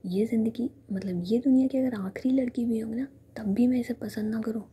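A woman's voice: fairly high pitch, fairly even intonation, fairly quick, mellow, husky. A woman voicing a brash, boastful young man in a whispery, indignant tone. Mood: scornful.

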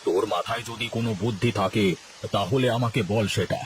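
Man voicing a worried, deep-voiced village landlord. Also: brisk, slight background noise, close to an everyday voice. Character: worried old village landlord, male, generous. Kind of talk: cartoon voice acting.

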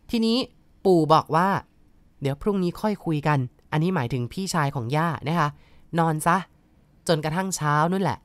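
A woman from northeast Thailand narrating a ghost story in a calm, polite, unhurried way. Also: deep voice, dry recording.

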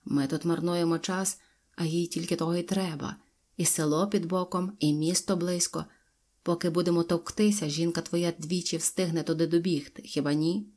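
A woman's voice: on the low side, steady tone, normal speed, a little mellow, natural voice. A woman voicing an impatient male robber who mutters his complaints. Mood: grumbling.

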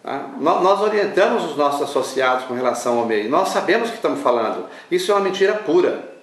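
An older man with a Brazilian accent, speaking as an association spokesman in an interview, halting between phrases and adding tag questions. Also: a little high, expressive. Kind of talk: sit-down news interview. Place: small indoor newsroom office. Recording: roomy, distant mic, faint noise.

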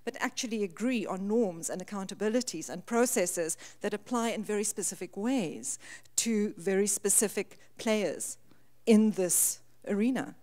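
A woman's voice: medium pitch, moderate pace, mellow. A woman speaking earnestly as a panelist into a handheld mic. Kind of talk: panel discussion. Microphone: handheld microphone.

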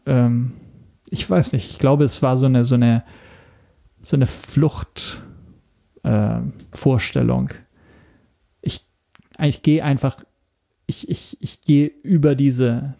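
Gravelly, hesitant man. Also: medium pitch, mellow. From Italy. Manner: hesitant, searching for words. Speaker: podcast guest. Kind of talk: casual interview talk.

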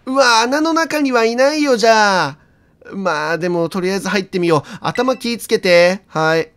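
A man's voice: sits high, steady tone, moderate pace, fairly bright tone, clean tone. A man playing a video game and commentating casually, reading in-game dialogue aloud and chatting to viewers with frequent laughs. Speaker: let's play streamer. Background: faint game music.

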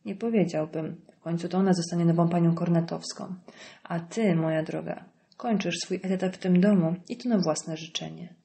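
A woman's voice: lowish voice, fairly even intonation, normal speed, vocal fry, mellow. A woman reading an audiobook voices a curt, irritable middle-aged politician husband. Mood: curt, irritated. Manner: curt, dismissive.

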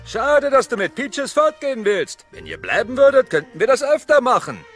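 A man's voice: extremely high pitch, big pitch swings, moderate pace, fairly bright tone, soft background music, heavily acted. A dry, grumpy father mammoth. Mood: earnest. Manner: dry, sarcastic. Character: grumpy protective father mammoth, middle-aged. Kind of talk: dubbed animated film dialogue.

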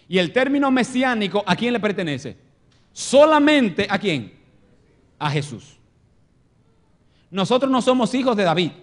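A pastor delivers a fiery sermon in a church. His voice sits notably high for a man. He swings from ringing exclamations down to hushed, drawn-out murmurs. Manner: impassioned preaching, swinging from loud exclamations to low murmurs.

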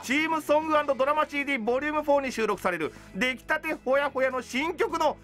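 A man's voice: very high-pitched, fast, pushed and bright, soft background music. A man hosting a casual radio talk show, speaking into a studio microphone. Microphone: studio boom microphone.

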